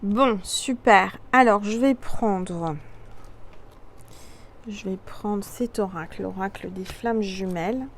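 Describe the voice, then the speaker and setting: Woman card reader, slow and gentle. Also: mid-range voice, slight background noise. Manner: stumbles over words and corrects herself; gentle, advising tone addressing viewers directly. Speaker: tarot and oracle card reader. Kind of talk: reading card texts aloud with spontaneous commentary.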